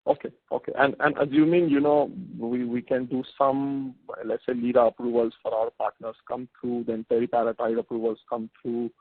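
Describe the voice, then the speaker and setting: A man asking questions as an analyst on a conference call, polite and halting, often repeating words. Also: medium pitch, little pitch movement, dry recording. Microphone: phone handset. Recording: tinny narrow phone line.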